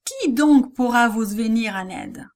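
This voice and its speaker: A woman voicing a furious, proud male king who roars his orders loudly in a storybook reading. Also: on the high side, unhurried, close to an everyday voice. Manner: loud and commanding.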